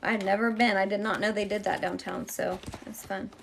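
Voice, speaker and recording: A woman hosting a live-streamed tarot card reading. She chats casually with her viewers and speaks calmly and encouragingly when she gives guidance. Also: mid-range voice, brisk, creaky, very noisy. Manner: chatty, addresses viewers directly with y'all.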